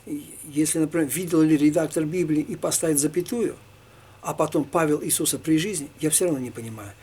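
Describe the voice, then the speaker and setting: A man, a Tatar native speaker, answering religious questions one by one in a halting, informal way. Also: on the high side, darkish tone, slightly rough. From Tatarstan, Russia. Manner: halting, with many fillers and restarts.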